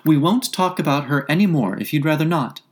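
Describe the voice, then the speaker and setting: A woman's voice: deep voice, lively intonation, brisk, a little mellow, voice pushed up. A woman voicing a polite, chatty, curious young girl from a storybook, with an eager, earnest, apologetic manner.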